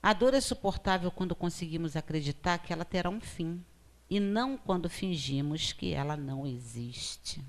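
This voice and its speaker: A woman's voice: lowish voice, expressive, normal speed. Earnest Brazilian woman giving a spiritual talk. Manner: earnest, often tags 'né?' to engage listeners. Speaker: spiritist public lecturer. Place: lecture hall of a spiritist center.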